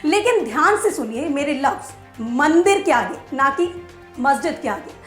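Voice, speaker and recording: A woman's voice: high-pitched, sing-song, a little slow. A woman news presenter delivers scripted commentary, emphatic and rhetorical with a sarcastic edge. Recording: echoey room with music behind.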